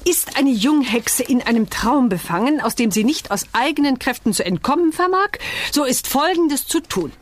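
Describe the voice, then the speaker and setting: A woman's voice: high voice, animated, normal speed. A woman playing a bustling witch mother in an audio drama, theatrical as she consults her spellbook. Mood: solemn reading. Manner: theatrical, muttering while searching, reading aloud formally. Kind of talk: German audio drama acting.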